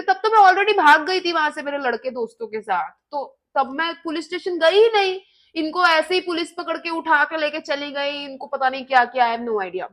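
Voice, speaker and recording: A young woman vlogger telling a personal story in a chatty, expressive way, slipping English phrases into her talk. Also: high-pitched. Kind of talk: casual storytelling.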